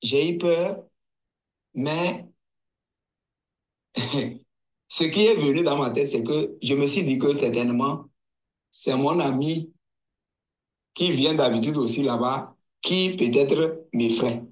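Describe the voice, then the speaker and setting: A man from Togo telling his testimony at an unhurried, deliberate pace. His voice sits at a middle pitch. He speaks haltingly, often restarting and repeating words. The sound is dull and lo-fi. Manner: hesitant, halting, with many restarts and repetitions. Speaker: guest giving a testimony. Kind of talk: slow personal testimony.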